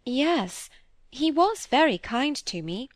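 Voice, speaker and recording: A woman's voice: high voice, sing-song, slow, dry recording, studio quality, voice pushed up, heavily acted. A woman voicing an earnest young girl who speaks openly and grows indignant easily.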